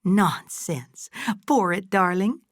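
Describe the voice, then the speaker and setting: A woman reading aloud, voicing a fond, motherly older woman who speaks high and emphatically. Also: expressive, slow pace, dry recording, clean studio sound. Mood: insistent.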